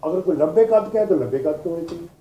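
Older Pakistani man lecturing, high-pitched voice. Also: lively intonation, fast, dark tone. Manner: explanatory, repetitive, step-by-step, mixing in English legal terms. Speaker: law lecturer, retired judge. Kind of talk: classroom lecture. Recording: roomy, dull classroom recording with background noise.

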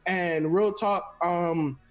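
A young man from Florida, a guest telling stories in an animated, rambling way over a headset from his living room. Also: high-pitched, extremely slow, soft background music. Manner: animated, laughs often, rambling storyteller. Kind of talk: casual video call chat.

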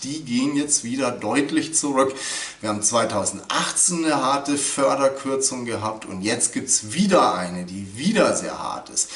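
A man in his forties hosting a stock market video, speaking earnestly and emphatically to camera in a living room. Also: mid-range voice. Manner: earnest, emphatic, addresses viewers formally. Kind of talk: investment commentary to camera. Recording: echoey room, mic at a distance.

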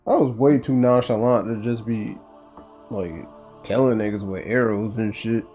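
Male let's play gamer: mellow dark tone, dull recording, slangy swearing. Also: lowish voice, moderate pace, soft background music. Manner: profane, slangy. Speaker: gamer commentator. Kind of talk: casual let's play commentary.

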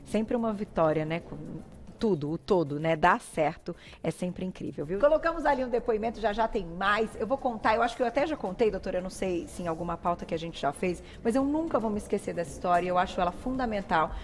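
A middle-aged woman with a Brazilian accent, hosting a TV talk show and telling personal stories in a warm, chatty way. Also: mid-range voice, lively intonation, fast. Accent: Brazilian Portuguese. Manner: warm, chatty, emotional storytelling. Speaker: TV show host.

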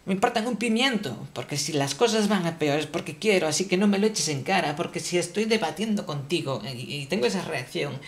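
A man's voice: on the high side, lively intonation, a little fast, hardly any pauses. A man playing a petulant, vain god who is easily annoyed and talks in an irritable, rambling, insulting way. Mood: irritated.

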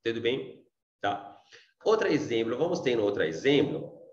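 A man's voice: mid-range voice, big pitch swings, unhurried, a little mellow, echoey room, dull audio. Man teaching with an Arabic accent. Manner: repeats himself, checks in often with tá and gente. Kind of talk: online language lesson.

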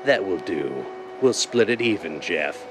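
An actor playing a blind, cold criminal mastermind in a deliberate, commanding, theatrical 1930s radio drama style. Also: male voice, low-pitched, expressive. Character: blind, cold, menacing male crime mastermind called the Owl. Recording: noisy vintage-style radio drama recording.

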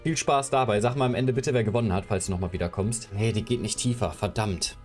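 With a fairly low, slightly mellow voice and a fast delivery, the young man chats casually on his live stream as faint music plays behind. Indoors in his room, he talks into a headset mic while moving his camera and gear around.

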